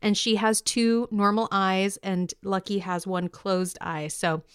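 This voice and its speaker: A woman's voice: medium pitch, flat delivery, slow, smooth, no echo, studio quality. A woman co-hosting an entertainment podcast, sharing news in a bubbly, playful, enthusiastic chatty style. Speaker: podcast co-host. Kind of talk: upbeat co-hosted podcast chat about entertainment news.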